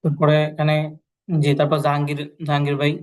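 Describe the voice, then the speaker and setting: Male teacher, patient, repetitive delivery, slightly high voice. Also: monotone, quick pace, a little mellow. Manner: repetitive, patient, many fillers and pious phrases. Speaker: English teacher. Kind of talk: online language class, explaining to students.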